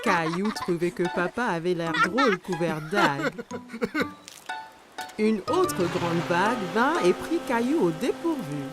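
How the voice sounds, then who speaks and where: A woman's voice: lowish voice, expressive, a little slow, over loud music. A woman reads scripted children's story narration for a cartoon.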